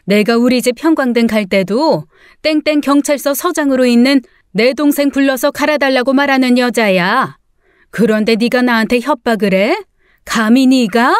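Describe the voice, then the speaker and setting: Woman doing a fierce middle-aged mother, scolding, blustering, storybook reading, smooth high voice. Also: dry recording, studio quality, lightly acted. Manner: sharp scolding, blustering bluff.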